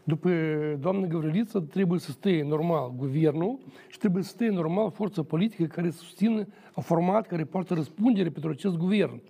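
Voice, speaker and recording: A man speaking as a guest on a studio political debate, measured and emphatic, repeating his points. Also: on the high side, vocal fry, dark tone, slightly rough. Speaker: talk show guest, former judge.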